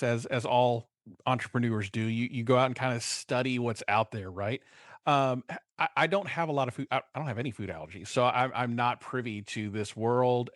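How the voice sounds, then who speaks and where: A man's voice: medium pitch, no room sound. Male podcast host, casual and hesitant, dry close-mic sound. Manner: loose, halting, lots of restarts. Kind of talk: podcast interview hosting.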